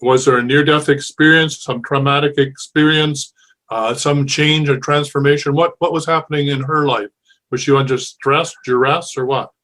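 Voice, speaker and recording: A man hosting a live call-in show, speaking calmly and with conviction. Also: fairly high pitch, normal speed. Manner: calm, talks about curses and spiritual healing with conviction. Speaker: host.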